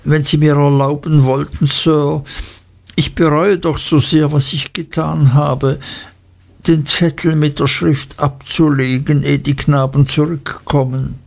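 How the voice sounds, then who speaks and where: A man's voice: on the high side, flat delivery, a little slow, vocal fry, pitched above the performer's own voice. A man voicing a frightened young schoolboy in an audiobook, polite, hesitant and pleading. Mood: anxious pleading. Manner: stammering, hesitant, deferential.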